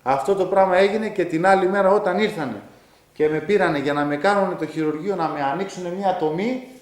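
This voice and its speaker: Brief: man giving a lively spoken testimony; high-set voice, roomy echo. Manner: lively storytelling that keeps acting out his own and others' words. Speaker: witness telling a miracle.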